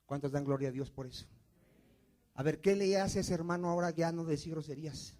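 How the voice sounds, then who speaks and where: A man's voice: fairly high pitch, steady tone, fairly quick, warm tone. A male pastor preaching a sermon, asking the congregation questions and answering them himself.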